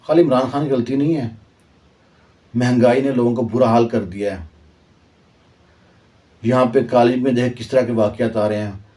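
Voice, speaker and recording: A man tells history with earnest passion, now and then reaching for a proverb or a line of verse. His voice is mellow and dark. He sounds a little distant from the microphone. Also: mid-range voice. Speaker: online commentator. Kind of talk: impassioned historical storytelling.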